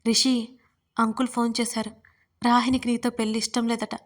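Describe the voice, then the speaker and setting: A woman's voice: on the high side, flat delivery, normal speed, close to an everyday voice. A woman voicing a sorrowful, worried middle-aged mother in a storybook reading. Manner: sorrowful, gentle.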